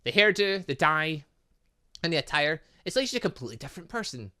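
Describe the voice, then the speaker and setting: A man giving excitable let's-play commentary, rambling along with playful, exclamatory asides. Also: fairly high pitch, fast talker. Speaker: gaming channel host.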